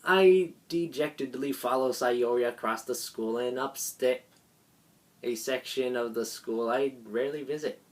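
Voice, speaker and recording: A woman's voice: very deep voice, a little slow, darkish tone. A woman reading a visual novel script aloud as narrator, with game music behind her.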